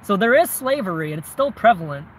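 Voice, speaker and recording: A man's voice: high-pitched, big pitch swings, fast, a little hiss or hum, rough recording. Southern-accented man chatting casually. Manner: conversational, frequent tag questions and "man", "bro". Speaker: vlogger answering viewer questions. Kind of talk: casual chat.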